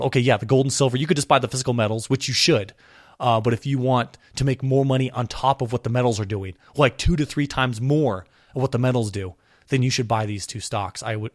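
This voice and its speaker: A man hosting his own podcast, talking with impassioned energy, his voice a little hoarse from a cold. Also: steady tone, quick pace, no echo, clean studio sound. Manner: impassioned ranting, pitch climbing when worked up. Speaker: podcast host. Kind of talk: solo podcast commentary.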